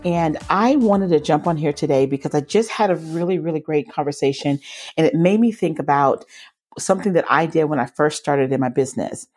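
A woman's voice: sits low, brisk, a little mellow, slightly rough, faint music behind. A woman in her forties, slightly nasal as she recovers from a cold, hosting her podcast in an earnest, encouraging storytelling way. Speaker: podcast host. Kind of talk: solo podcast monologue.

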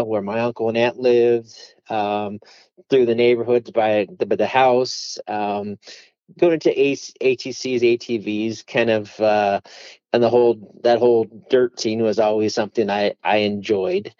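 A man's voice: medium pitch, darkish tone, no room sound. Hesitant guest man, dull dry sound. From Southern California. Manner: halting, many "uh" fillers. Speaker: podcast guest. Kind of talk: casual interview.

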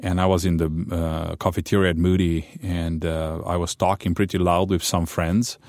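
A young Romanian pastor with a Romanian accent, a native Romanian speaker telling his life story in an interview, loud and lively with frequent restarts. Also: low voice, normal speed, dry recording, clean studio sound. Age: young adult. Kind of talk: personal testimony in a radio interview.

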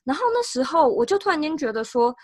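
A woman's voice: high voice, lively intonation, fast talker, no echo, clean studio sound. A woman guest, explaining practical advice step by step in a casual interview.

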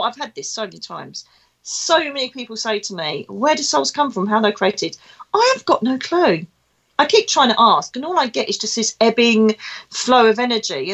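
Female podcast host, Essex accent, mid-pitched voice, chatty and emphatic, talking directly to listeners in a spiritual monologue. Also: a bit bright. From Essex, England. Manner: chatty and emphatic, with rhetorical questions. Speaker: podcast host and psychic medium.

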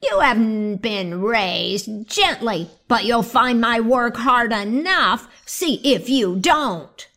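A woman's voice: a little high, animated, takes it slowly, few pauses, bright, forceful tone, exaggerated voice. A woman voicing a snarling, menacing old female witch in a storybook reading. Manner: growling, menacing.

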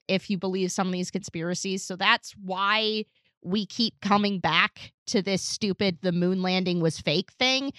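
A woman's voice: medium pitch, fairly bright tone, no echo, studio quality. A woman co-hosting a podcast, talking casually and with firm opinions about a book. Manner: emphatic, opinionated, joking. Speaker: podcast co-host. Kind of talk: casual book-club chat.

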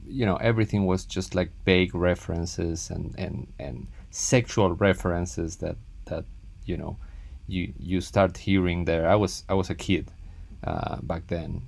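A film director born in Spain and raised in Argentina, talking casually as a guest with many restarts and fillers. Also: male voice, low voice, vocal fry, darkish tone. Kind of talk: casual interview talk.

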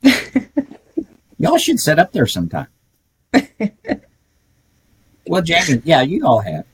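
A man's voice: on the high side, wildly swooping pitch, slow, breathy edge, no echo, poor audio. An older man, telling folksy stories as a podcast guest and chuckling often. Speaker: guest, retired pedigree reader. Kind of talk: casual podcast chat.

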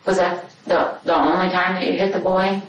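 Calm female detective asking questions. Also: lowish voice, moderate pace, dull audio, noisy background. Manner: calm, probing, repeats answers back. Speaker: police detective. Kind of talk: interrogation questioning. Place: interrogation room. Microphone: far room camera. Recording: echoey room from a distant camera.

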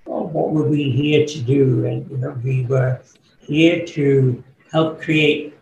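A middle-aged man, born in Kenya and raised in the UK, answering interview questions as a business coach in a thoughtful, measured way with fillers. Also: mid-range voice, steady tone, gravelly, a little mellow. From born in Kenya, grew up in the UK. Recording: echoey room, faint background noise.

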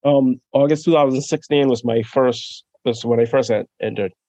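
A young man from the Bahamas, a podcast guest chatting casually, who laughs often and trails off softly at the ends of his sentences. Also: mid-range voice, fairly even intonation, normal speed, no echo, lo-fi sound. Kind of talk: casual interview chat.

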